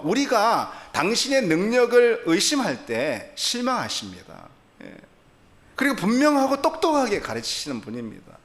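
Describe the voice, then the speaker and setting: Male preacher, slightly high voice with a lot of pitch movement, animated Sunday sermon, acts out the dialogue and laughs along. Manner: animated, acts out God's and Sarah's lines in quoted voices; chuckles often while preaching. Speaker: pastor.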